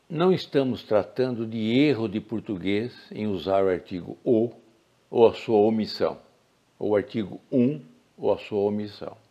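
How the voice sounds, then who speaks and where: An older man from Brazil teaching Portuguese grammar in a recorded lecture, deliberate and didactic, stressing key words. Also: medium pitch, gravelly, darkish tone.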